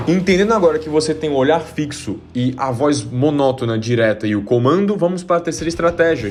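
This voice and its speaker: Guy explaining stuff to viewers, direct, mid voice, quiet music under it. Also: mid-range voice. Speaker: self-improvement coach. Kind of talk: instructional video talk.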